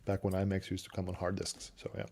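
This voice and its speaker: Serbian guy, native serbian, chatting about tech on a stream, low mellow voice, keeps repeating words and laughing. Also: monotone, fast talker, slightly rough. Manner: chatty, laughs often, repeats words while searching for them. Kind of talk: casual tech chat.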